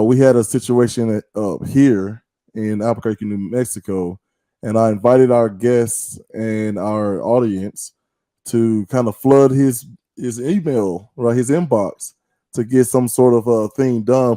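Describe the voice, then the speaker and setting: A man hosting a casual interview, asking teasing, animated questions. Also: medium pitch, no room sound. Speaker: podcast host.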